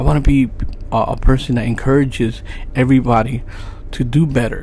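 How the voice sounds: Intonation stays fairly level as a man speaks. He moves at a fairly quick pace. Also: medium pitch for a man.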